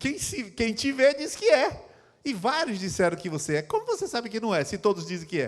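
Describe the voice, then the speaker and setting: A man with a high voice speaks at a moderate pace, his pitch swinging very widely, while noticeable background noise plays behind him. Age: 60s. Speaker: pastor. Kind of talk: sermon.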